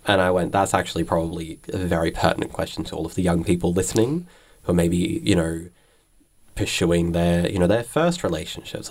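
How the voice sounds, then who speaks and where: Low-voiced man interviewing. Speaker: radio interviewer. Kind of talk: conversational interview.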